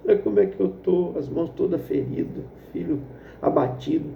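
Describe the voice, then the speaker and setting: A man's voice: fairly high pitch, normal speed, gravelly, a little hiss or hum. A man voicing a frightened young son who pleads and confesses in tears, recorded in an echoey room with a dull lo-fi sound. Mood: remorseful. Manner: pleading, tearful. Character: frightened young male student son, remorseful.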